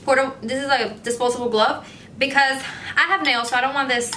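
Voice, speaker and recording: A woman's voice: high voice, steady tone, quick pace, bright, forceful tone, a little hiss or hum. A young woman with a Puerto Rican accent, chatty and playful, hosting a DIY beauty tutorial from her home studio. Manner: playful, giggly, chatty with laughs between phrases. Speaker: beauty vlogger. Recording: echoey room with faint music.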